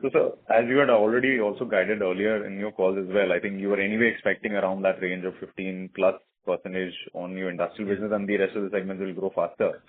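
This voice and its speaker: Male analyst, low and fast, polite and structured, over a narrow phone line. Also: steady tone, no echo. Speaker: financial analyst asking questions. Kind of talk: earnings call questioning.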